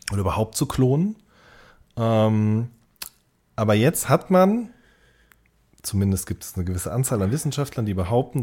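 A man's voice: fairly low pitch, mellow. A man co-hosting a podcast in casual, unscripted chat, explaining things in a rambling, searching way and often rephrasing. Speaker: podcast co-host.

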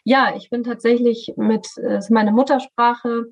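A woman's voice: a little high, fairly even intonation, unhurried, muffled recording. A middle-aged woman from Schleswig-Holstein, explaining things thoughtfully as a podcast guest, with many fillers and restarts. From Schleswig-Holstein, northern Germany. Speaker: artistic director of a theatre studio, guest.

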